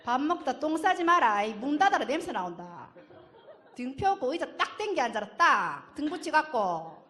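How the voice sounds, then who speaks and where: A woman's voice: sits high, very animated, fairly bright tone, voice pushed up. A woman voicing a nagging father who scolds his young son nonstop in Gyeongsang dialect. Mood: scolding. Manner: rapid scolding, nonstop orders.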